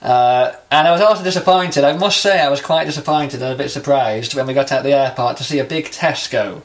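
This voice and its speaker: A young man tells a long travel anecdote on a casual podcast. His pitch sits in a mid range, and his manner is relaxed and easily amused. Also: a little fast. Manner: chatty storyteller, relaxed and self-amused. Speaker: podcast co-host.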